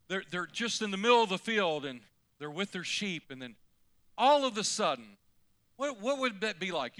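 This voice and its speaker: A male pastor preaching a folksy, animated sermon, often climbing suddenly to loud emphasis. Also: mid-range voice, smooth, no room sound.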